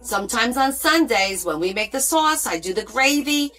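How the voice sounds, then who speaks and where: A woman's voice: a little high, normal speed, soft background music. A woman from Portugal raised in New Jersey, with a light New Jersey accent, hosting a casual crafting livestream and chatting with viewers. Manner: chatty, reads viewer comments aloud, lively rises and soft asides. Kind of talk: casual chat while crafting.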